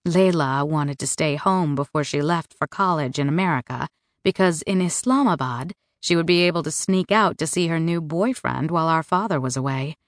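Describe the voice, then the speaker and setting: A woman reading a first-person novel aloud as an audiobook narrator, in a measured, even storytelling manner. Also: lowish voice, no echo, clean studio sound. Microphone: close studio mic.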